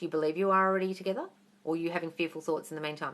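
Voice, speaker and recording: Speaking at a very fast pace, a woman has a strong Australian accent. Her tone is animated, bright and sharp. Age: 40s. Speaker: manifestation coach. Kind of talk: live stream Q&A.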